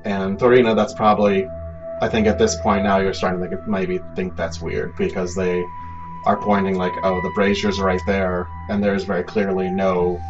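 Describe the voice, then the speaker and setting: A man working as game master, narrating a tabletop game in a halting, conversational way with many asides. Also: low-pitched, flat delivery. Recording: dull, muffled sound under prominent music.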